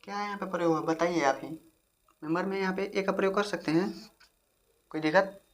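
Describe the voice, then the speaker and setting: A woman's voice: mid-range voice, fairly quick. A woman teacher gives a grammar lesson, repeating herself and asking the viewer questions. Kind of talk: classroom-style grammar lesson.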